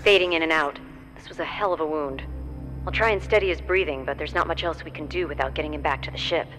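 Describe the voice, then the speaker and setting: A man's voice: fairly high pitch, fast, over music, lightly acted. An actor playing a focused male medic in a sci-fi audio drama, clipped and clinical in delivery. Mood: urgent.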